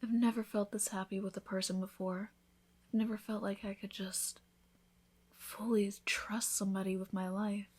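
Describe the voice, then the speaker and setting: Woman acting as loving vampire bride, soft breathy voice, frequent whispering, medium pitch, intimate, reassuring, ASMR romance roleplay. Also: little pitch movement, normal speed, lightly acted. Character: tender, devoted newlywed vampire wife.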